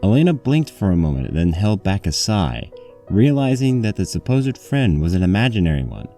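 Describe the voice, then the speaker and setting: Man, low-pitched, dark warm tone, scripted story narration, faint music behind. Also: big pitch swings, moderate pace.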